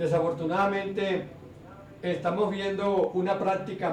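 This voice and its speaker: A man talks at a very slow pace with high pitch and monotone, flat intonation. Audible room echo and noticeable background noise surround his voice. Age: 70s. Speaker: veterinarian. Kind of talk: interview talk. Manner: hesitant fillers.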